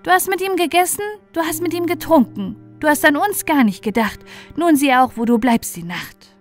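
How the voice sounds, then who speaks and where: A woman's voice: high voice, animated, moderate pace, soft background music, voice pushed up. A woman voicing talking farm animals who answer in singsong rhyme in a storybook tale. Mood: reproachful.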